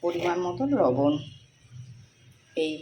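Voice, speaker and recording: Woman, home cooking vlog, chatty step-by-step talk, soft-spoken, audible household and animal noise behind. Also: on the low side, fairly even intonation, takes it slowly. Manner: chatty, explains each step, talks softly while cooking. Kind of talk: casual cooking vlog narration. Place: home kitchen.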